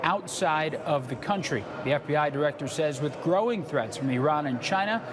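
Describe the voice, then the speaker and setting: A man files a television news report from outdoors, measured and formal in delivery. His voice runs a little high, and street and traffic noise come through clearly behind him. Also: animated. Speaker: news correspondent.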